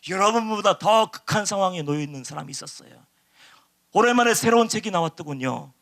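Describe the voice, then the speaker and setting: A man preaching a sermon as pastor, impassioned and dramatic, acting out shouted pleas. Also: high-pitched, expressive, quick pace, gravelly.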